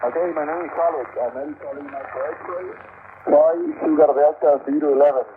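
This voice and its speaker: A man's voice: fairly high pitch, fairly even intonation, fairly quick. A man from Venezuela calling on the radio, hesitant, with many fillers and repeated requests. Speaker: CB radio operator. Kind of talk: radio contact. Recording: tinny radio signal with static.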